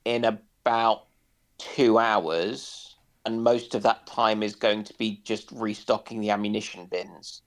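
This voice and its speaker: A man in casual discussion on a naval history stream, speaking haltingly with dry humour. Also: mid-range voice. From United Kingdom.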